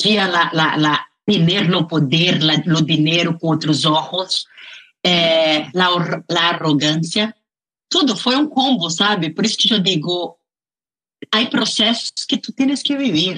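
Speaking very slowly in a Brazilian accent, a woman keeps her loudness very even while her fairly low pitch moves with lively intonation. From Brazil, rural northern Minas Gerais. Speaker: entrepreneur. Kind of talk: interview. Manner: animated.

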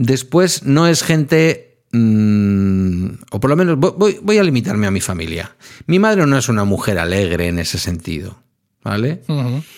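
The pace is fairly slow. Pitch rises and falls over a very wide range. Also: man, medium pitch for a man. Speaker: podcaster. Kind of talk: casual chat.

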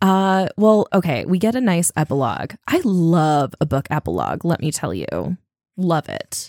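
This woman has a fairly low pitch and an animated tone with lively intonation, moving at a moderate pace in a dry, close sound with no echo on a very clean recording with a silent background. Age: 30s. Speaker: podcast co-host. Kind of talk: casual chat.

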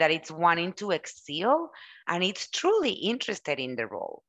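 A woman with a Mexican accent talks at a moderate pace and a fairly low pitch. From Mexico. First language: Spanish. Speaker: HR professional and executive recruiter. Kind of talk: interview conversation.

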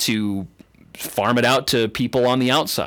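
A man with medium pitch and an ordinary speaking voice talks at a fairly slow pace on a very clean recording with a silent background. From Canada. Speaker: radio host. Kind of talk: casual chat.

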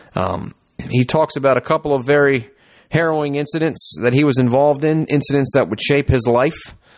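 A man's fairly high voice, an unremarkable speaking voice, with ordinary pitch variation, a fairly quick pace and very even loudness. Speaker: podcast host. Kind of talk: scripted intro and outro narration. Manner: formal, earnest.

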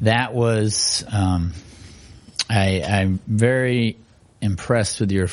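A man's fairly low voice with fairly even intonation against noticeable background noise. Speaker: podcast host. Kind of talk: casual interview. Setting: studio.

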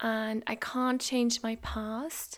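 In a very clean recording with a silent background, a woman with a German accent speaks in a flat monotone. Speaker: podcast host and spiritual practitioner. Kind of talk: reflective solo monologue.

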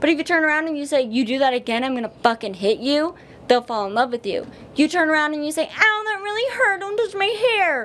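A woman with an American accent speaks at a very fast pace in a high pitch, her pitch swinging very widely. Noticeable background noise runs underneath. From Colorado, US. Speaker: podcast crew member and co-host. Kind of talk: casual chat.

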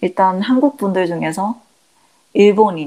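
A woman speaks with a medium pitch. Her pace is moderate, and her pitch variation is ordinary. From South Korea and United States. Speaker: podcast co-host. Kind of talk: casual chat. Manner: halting.

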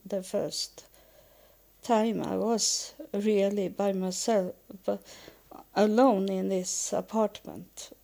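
A woman at a medium pitch talks very slowly, leaving long, frequent pauses and keeping her intonation fairly even. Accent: non-native. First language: not English. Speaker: podcaster. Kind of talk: monologue. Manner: halting.

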